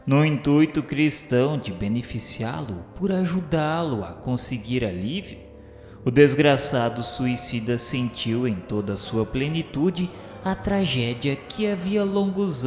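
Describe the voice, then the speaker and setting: A Brazilian man giving a solemn, emphatic and theatrical narration of a literary radio drama. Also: mid-range voice. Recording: echoey reverberant hall sound with music. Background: music.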